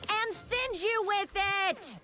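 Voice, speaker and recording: A woman's voice: extremely high pitch, takes it slowly, over music. A woman playing a bossy, fierce female interrogator in an audio story, with an imperious, demanding manner. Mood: threatening. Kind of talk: scripted character acting in an audio story game.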